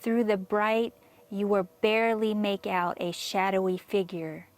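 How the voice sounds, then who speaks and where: Slow-paced woman guiding a meditation. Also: mid-range voice, level tone. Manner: slow, measured, soothing delivery with long pauses. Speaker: meditation guide. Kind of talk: guided meditation, scripted reading.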